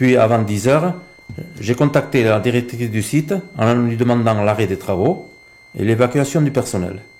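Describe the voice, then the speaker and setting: Over noticeable background noise, a man speaks at a moderate pace with long, frequent pauses. His pitch is medium and varies in an ordinary way. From French Basque Country. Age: 60s. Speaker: retired farmer. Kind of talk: interview testimony. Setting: studio. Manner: halting.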